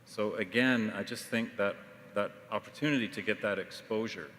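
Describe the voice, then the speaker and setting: A man panelist with a slightly low voice, speaking steadily and filling his pauses with "uh." A long hall reverb and faint noise hang around him. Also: fairly bright tone. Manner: measured, with frequent uh fillers. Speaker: panelist, journalism educator. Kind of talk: panel discussion.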